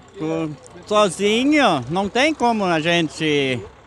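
Light background noise sits behind a man's voice. His intonation is lively. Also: dry sound with no echo. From Estrela, Rio Grande do Sul, Brazil; Rio Grande do Sul. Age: 40s. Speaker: farmer. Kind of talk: on-site news interview. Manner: halting. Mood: smiling, hopeful, grateful. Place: farm. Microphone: handheld.

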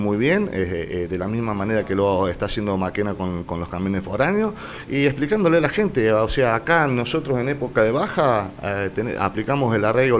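The speech moves at a fairly quick pace with ordinary pitch variation over light background noise. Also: man. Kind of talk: interview answer. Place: office. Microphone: handheld.

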